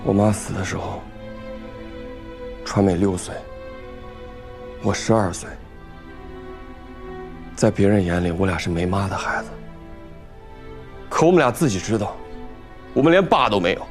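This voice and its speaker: A man's voice: low-pitched, animated, unhurried, pauses often, faint music behind. An actor playing a guilt-ridden young man who pleads desperately with his father. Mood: pleading. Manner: desperate, pleading, tearful outbursts. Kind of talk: TV drama acting.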